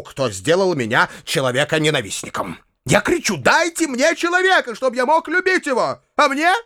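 A man doing a shrill pompous hypocrite. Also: sharp tone, heavily acted. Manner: declamatory, indignant, melodramatic. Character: pompous self-pitying male hypocrite, shrill and theatrical. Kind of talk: audiobook reading.

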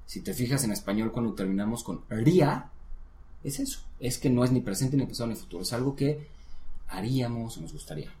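An English teacher gives a one-on-one language lesson, tutoring a student step by step with patience and encouragement. His mid-range voice is mellow and brisk with lively intonation, and the room adds a noticeable, roomy echo.

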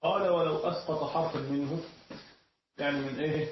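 A man teaching a classroom lesson, often pausing mid-sentence so his students can finish his words. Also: a little high, steady tone, slight background noise. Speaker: teacher of Islamic jurisprudence. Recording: echoey, distant, dull room recording.

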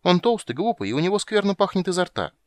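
A man voicing a stubborn, bossy little runaway princess who whines and sniffles in a high childish voice. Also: big pitch swings, fast, darkish tone, no echo. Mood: petulant. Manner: high petulant childish whining.

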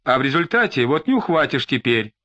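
A man's voice: medium pitch, big pitch swings, a little fast, bright, forceful tone. A man voicing a frightened, tearful middle-aged suspect who pleads and snaps irritably. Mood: agitated. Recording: slightly dull lo-fi recording.

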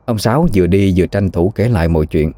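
Deep dark-voiced male storyteller. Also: fast, no room sound. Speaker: narrator. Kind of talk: scripted narration of a ghost story.

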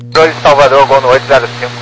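A man's voice: medium pitch, fairly even intonation, racing, noisy background. A man, an airline pilot, heard over an aviation radio channel, giving clipped, formulaic readbacks.

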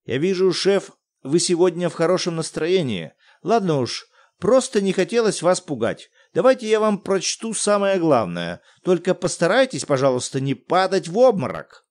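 A man's voice: high-pitched, very animated, normal speed, a little mellow, pitched above the performer's own voice. Man voicing a teasing young lab assistant, lightly raised, storybook. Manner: teasing, mock-solemn.

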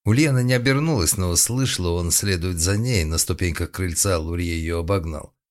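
A man narrating an audiobook in a measured, even storytelling manner. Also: low voice.

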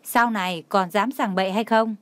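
A woman voicing a calm young woman who speaks flatly and sternly, in a dry recording. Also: mid-range voice, moderate pace, no echo, close to an everyday voice. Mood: cool.

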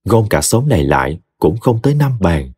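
A man narrating a story in an expressive reading. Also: deep voice, moderate pace, breathy edge, dry recording, clean studio sound.

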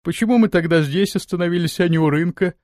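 A man's voice: high-pitched, quick pace, a little mellow, dry recording, clean studio sound, voice pushed up, close to an everyday voice. A man voicing a petulant, indignant young man in an audiobook. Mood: eager.

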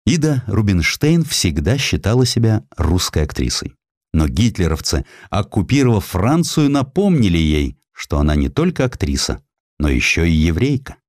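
Low male audiobook guy reading history, really swingy expressive delivery, dry close studio sound. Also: moderate pace, no echo. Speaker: audiobook narrator. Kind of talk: dramatic scripted narration of historical essay. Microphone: close studio microphone.

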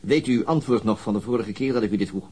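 An actor playing a persistent police interrogator in a radio crime drama, probing, controlled and insinuating. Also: male voice, on the low side, fast talker, a little mellow, slightly rough. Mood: probing, insistent. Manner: insistent, probing.

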